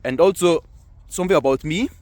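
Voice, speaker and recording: A young man from Luxembourg with a Luxembourgish accent, chatting casually to camera, often repeating himself and filling pauses with "I mean" and "yeah". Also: fairly high pitch, a little mellow. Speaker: language vlogger. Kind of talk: casual vlog talk to camera.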